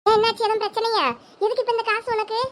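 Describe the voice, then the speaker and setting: Voicing a shrill nosy village girl. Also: level tone, rapid-fire. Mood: questioning. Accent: Thoothukudi Tamil. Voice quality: very high, shrill cartoon voice. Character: young village woman friend, nosy and giggly.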